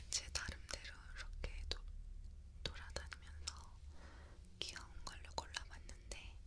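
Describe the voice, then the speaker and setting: A woman whispering at a very slow pace. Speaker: ASMR creator. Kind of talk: soft-spoken ASMR chat. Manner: close whisper right at mic ear. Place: home room. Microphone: studio mic.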